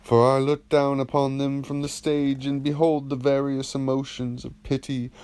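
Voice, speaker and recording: A man's voice: mid-range voice, little pitch movement, normal speed, a little mellow, clear, resonant tone, lightly acted. A man reading the part of an agreeable, earnest epic-poetry performer in a classical dialogue audiobook, formal and deferential. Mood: frank.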